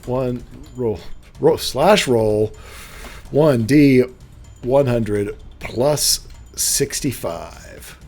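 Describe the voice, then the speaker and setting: Slow-paced man running a tabletop game. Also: medium pitch, animated, darkish tone, faint music behind. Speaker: game master. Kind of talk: casual tabletop game banter.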